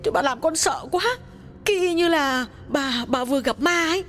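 A man's voice: very high-pitched, normal speed, bright, forceful tone, soft background music, voice pushed up. A man voicing a frightened young woman servant who exclaims and fusses over her injured mistress. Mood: alarmed. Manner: frantic, exclaiming, fussing.

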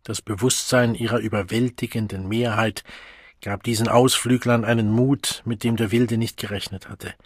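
Husky male audiobook narrator. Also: fairly low pitch, fairly even intonation, no room sound, studio quality. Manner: measured, dramatic storytelling.

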